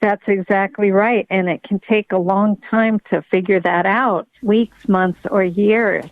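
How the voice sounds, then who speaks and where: A woman's voice: medium pitch, fairly even intonation, a little slow, no echo. Woman on a tinny dry phone line. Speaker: pediatric neurologist guest. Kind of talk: podcast interview.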